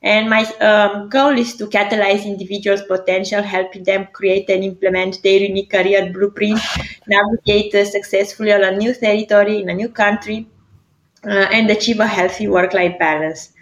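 A woman with a Romanian accent speaks as a guest coach at a mid-range pitch. She talks haltingly, filling gaps with frequent "uh"s as she explains. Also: level tone, muffled recording. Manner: hesitant, many fillers. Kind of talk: interview answers.

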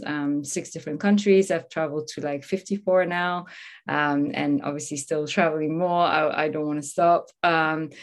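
A woman from France with a French accent, telling her story as a podcast guest with lots of fillers. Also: low-pitched. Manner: enthusiastic, storytelling, many fillers. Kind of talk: casual interview talk.

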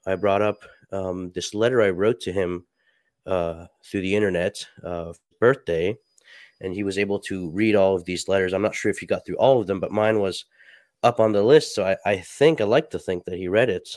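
A man hosting a podcast, a little sick and stuffy, talking reflectively and reading passages aloud in a soft, halting way with many fillers. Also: low-pitched, dry recording, studio quality. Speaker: podcast host.

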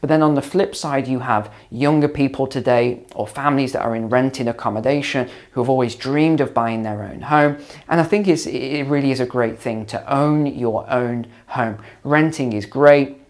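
Slightly hoarse man explaining to camera. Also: medium pitch, normal speed, darkish tone. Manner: conversational, explanatory, with frequent ums and repeats. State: slightly hoarse after hours of calls. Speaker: finance video host and mentor.

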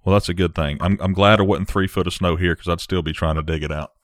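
Very deep voiced guy hosting, chill, lots of um and you know, dry sound. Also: steady tone, fast talker, no room sound. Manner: easygoing, filler-heavy questions. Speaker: podcast host. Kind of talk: casual interview.

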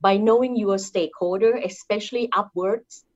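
Over lo-fi audio, an interview guest from Thailand with a Thai accent shares career advice in an earnest tone, often finishing with "right?" and going back over points through tag questions. Her voice sits in the mid range, a bit mellow, at ordinary speed.

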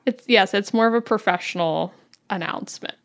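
A woman's voice: mid-range voice, brisk. A woman co-hosting a podcast, chatting casually in an easygoing way and laughing often. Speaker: podcast co-host. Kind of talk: casual chat.

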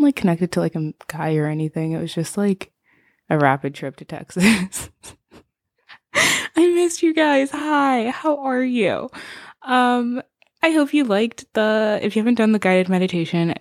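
A woman's voice: sits low, no echo, studio quality. A woman in her twenties from Zimbabwe, a native Shona speaker with an American accent, chatting casually to her listeners as a bubbly, playful, rambling podcast host. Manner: bubbly, playful, slangy and digressive.

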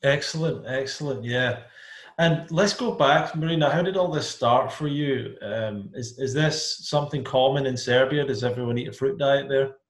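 A man's voice: medium pitch, moderate pace. A man hosting an interview, who introduces his guest in an upbeat, rambling way with many fillers. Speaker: interview host. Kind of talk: casual interview. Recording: roomy echo.

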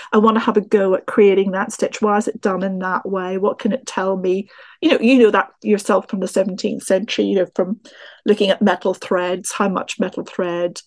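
A woman's voice: medium pitch, a little mellow. A middle-aged woman with a Northern Irish accent, answering interview questions in a thoughtful, discursive, explanatory way. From Northern Ireland. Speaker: guest, textile historian and teacher. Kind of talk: conversational podcast interview answers.

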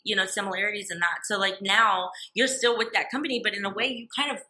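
A woman's voice: mid-range voice, fairly even intonation, quick pace, bright, forceful tone. A woman co-hosting a podcast in casual chat, upbeat and laughing often, with lots of fillers. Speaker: podcast co-host.

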